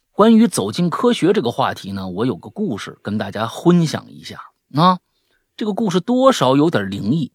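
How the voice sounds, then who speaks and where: A man reads listener ghost stories on his show in an animated storytelling voice. His pitch leaps and falls expressively, his tone has a slight husky grain, and the sound is dry and close. He sinks into a hush for creepy moments and drops in chatty asides. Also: no echo. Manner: chatty, breaks off with jokey asides and laughs. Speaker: podcast host reading listener stories. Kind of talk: animated storytelling, dropping to hushed tones for eerie parts.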